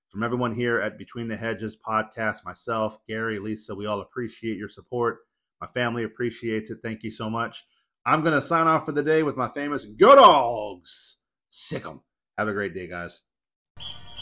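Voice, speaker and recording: Speaking at a moderate pace with a Southern US accent, a man uses a medium pitch, a bright, sharp tone and ordinary pitch variation, with big swings in loudness. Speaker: podcast host. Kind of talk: pep talk to listeners, rallying sign-off before the big game. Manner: earnest, rousing, encouraging; repetitive, hyping the countdown.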